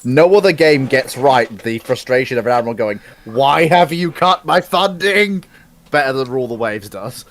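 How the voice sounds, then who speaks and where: A man chatting casually as a livestream panelist, haltingly repeating words as he builds his point. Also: medium pitch, expressive.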